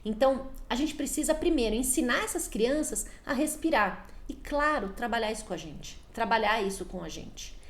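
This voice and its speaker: A woman in her forties with a high voice coaches parents in a relaxed live talk. She keeps slipping into short acted exchanges, switching quickly between the parent's voice and the child's. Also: echoey room. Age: 40s. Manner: coaching, acts out little dialogues in quick changing voices. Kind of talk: casual live talk to viewers.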